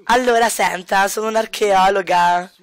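A man voicing an uptight, scolding woman archaeologist in a life-sim game playthrough, speaking snappishly and with clear irritation. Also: high-pitched, steady tone, normal speed, close to an everyday voice. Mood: irritated, scolding. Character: prickly, uptight woman archaeologist on a work trip.

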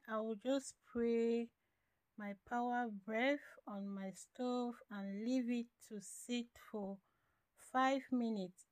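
A woman's voice: fairly high pitch, darkish tone, smooth, no echo. Woman doing a casual cook and clean voiceover, takes her time explaining stuff, pretty dry sound. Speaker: home vlogger.

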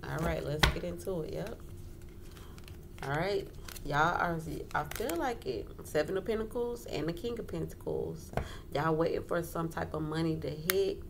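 Woman, low gravelly voice, informal tarot reader, conversational, repetitive phrasing, noisy home recording. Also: expressive, normal speed. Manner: informal, conversational, repeats phrases and checks in with "okay". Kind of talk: casual tarot card reading. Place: indoors at a wooden table.

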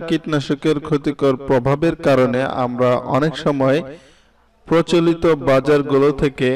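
Heard through a distant microphone, a young Bangladeshi video host with a medium-pitched, darkish voice and a Bangladeshi accent narrates an explainer on business ideas, talking straight to the viewer.

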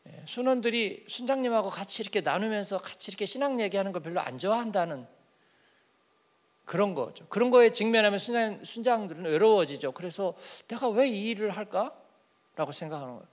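High-voiced Korean pastor, chatty sermon. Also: male voice, expressive, quick pace. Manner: conversational, acts out little dialogues, asks the congregation questions. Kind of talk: early-morning sermon. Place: church.

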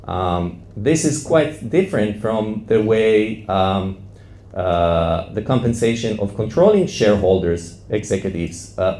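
Male panelist, forties, dark relaxed voice, hesitant academic delivery, roomy conference sound. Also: lowish voice. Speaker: law professor, conference panelist. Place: classroom-sized indoor conference room with audience. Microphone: handheld microphone close to mouth.

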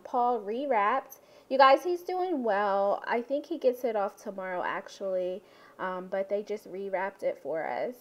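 A woman's voice: mid-range voice, darkish tone. A young woman and mother chatting casually in a home vlog, rambling with lots of ums. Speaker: vlogger, mother. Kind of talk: casual family vlog chat. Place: home living room.

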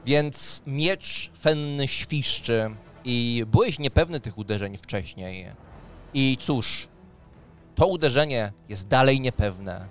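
Speaking slowly and expressively in a medium-pitched voice, a man in his thirties serves as game master for a tabletop fantasy game, narrating with descriptive, dramatic flair. He has a headset on and a close boom-arm microphone, and music plays behind him.

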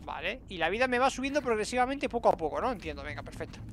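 A man's voice: high voice, big pitch swings, rapid-fire, vocal fry, background noise. A man with a Spain Spanish accent giving let's-play commentary, muttering to himself and bursting into exclamations, recorded on a desk mic at home. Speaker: gaming streamer.

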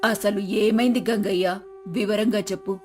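A woman's voice: mid-range voice, fairly even intonation, moderate pace, lightly acted. A woman playing the dutiful, upright wife of a village headman in a moral story. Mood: reproachful. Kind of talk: dramatized moral story acting. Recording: flute music behind the voice.

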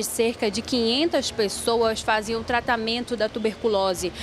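A young Brazilian woman reporter speaks into a handheld mic in a busy clinic hallway. Her voice is slightly high, and clear hallway noise surrounds it. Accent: Brazilian Portuguese. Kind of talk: stand-up news report.

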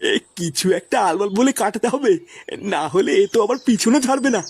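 Man voicing a high-pitched, flustered cartoon grandpa. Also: lively intonation, brisk, darkish tone, husky, dry recording, full character voice. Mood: flustered, evasive. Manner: hesitant, stammering. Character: flustered, evasive old grandfather in a comedy cartoon. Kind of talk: comic cartoon dialogue.

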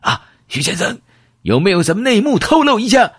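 A man voicing a chatty, nosy male taxi driver in an audiobook, with a husky voice. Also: high voice, very animated, a little fast, dry recording, clean studio sound, voice pushed up, full character voice. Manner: gushing, nosy.

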